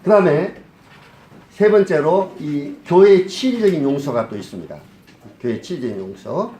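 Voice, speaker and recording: In an echoey hall, a male pastor with lively intonation preaches at a normal speed. He poses questions to the congregation, supplies the answers himself and acts out scenes in a softer, lower voice.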